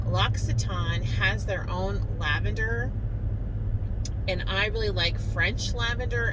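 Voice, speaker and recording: A woman's voice: fairly low pitch, heavy background noise. A woman chatting casually to her viewers as a vlogger, in a talkative, self-amused way. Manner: chatty, self-amused, often chuckling while telling anecdotes. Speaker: vlogger sharing a daily diet challenge.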